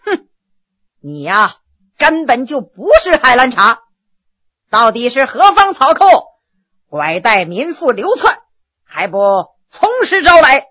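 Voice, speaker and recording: Brief: scheming male adviser, woman voicing, curt and accusing, lively pitch. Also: slow, pauses often, heavily acted. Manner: clears throat, snaps commands.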